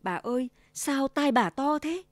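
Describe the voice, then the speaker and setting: A woman voicing a sweet, kind little girl in a red hood in a storybook reading, high and polite. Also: expressive, unhurried, no room sound. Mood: innocent.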